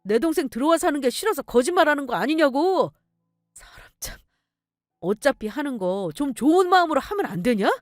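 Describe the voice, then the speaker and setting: A woman's voice: sits high, animated, a little fast, no room sound, studio quality, pitched above the performer's own voice. A woman voicing an indignant, blustering husband in a told story. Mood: angry. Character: blustering entitled husband, angry man.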